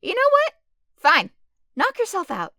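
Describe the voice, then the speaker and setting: A woman playing an irritable, gullible gym leader with a brash, sarcastic manner in an animated parody. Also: very high-pitched, unhurried, dry recording, studio quality, heavily acted. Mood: grudging, smug.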